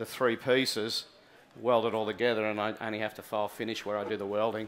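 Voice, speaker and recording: This man talks very quickly. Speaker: metalworker giving a demonstration. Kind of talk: live demonstration talk. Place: hall. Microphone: headset.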